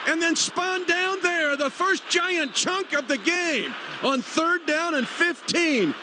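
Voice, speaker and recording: A man's voice: extremely high pitch, animated, slow pace. A man doing live football play-by-play on the radio, speaking in clipped fragments of downs, distances and scores. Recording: radio broadcast over stadium noise. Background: loud stadium ambience.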